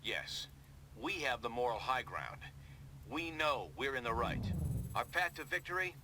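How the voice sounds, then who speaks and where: A steadfast superhero commander in a video game. He sounds earnest and rallying at a medium pitch. Clear background noise sits under the voice. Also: very animated, measured pace. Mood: earnest, resolute. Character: noble, steadfast male superhero resistance commander. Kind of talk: video game cutscene dialogue.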